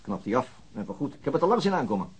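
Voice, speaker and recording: A man playing a weary, gruff police detective in a radio drama, muttering and sceptical. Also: mid-range voice, big pitch swings, rapid-fire, dull audio. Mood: sceptical, grim. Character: weary male police detective chatting with his woman companion. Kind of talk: naturalistic radio drama acting.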